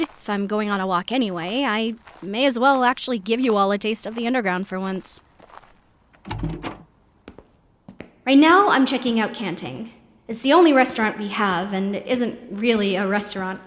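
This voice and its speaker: A woman's voice: on the high side, close to an everyday voice. An actress playing a thoughtful young woman in an audio drama, giving a conversational, reflective walking tour of her community with hesitant asides. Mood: grave, matter-of-fact. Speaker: narrator character.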